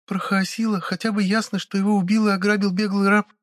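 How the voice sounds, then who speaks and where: A man doing a scornful high-voiced young noblewoman. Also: flat delivery, quick pace, natural voice. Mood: blunt. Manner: blunt, scornful. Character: sharp-tongued haughty young noblewoman. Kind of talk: audiobook character voice.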